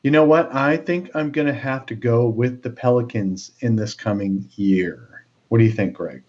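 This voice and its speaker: A man's voice: mid-range voice, moderate pace, darkish tone. A man co-hosting a casual sports podcast, talking with lots of fillers and restarts. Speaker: podcast co-host. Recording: dull lo-fi sound.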